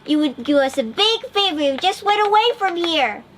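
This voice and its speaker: A woman voicing a chorus of mean little yellow ducklings who jeer and shout at a sibling. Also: very high-pitched, expressive, fairly quick, voice pushed up. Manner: jeering, shouting.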